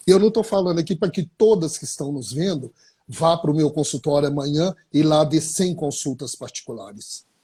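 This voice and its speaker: Heard in a very clean recording with a silent background, a dark, mellow voice moves at a moderate pace with lively intonation. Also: man, fairly high pitch for a man. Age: 60s. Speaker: plastic surgeon. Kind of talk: live stream interview. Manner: emphatic.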